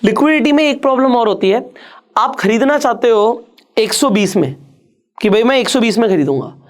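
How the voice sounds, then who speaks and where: A man's voice: very high-pitched, expressive, normal speed. A man, a stock market educator, giving an online trading tutorial, talking straight to the viewer and explaining step by step with rhetorical questions. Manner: conversational, addresses the viewer directly.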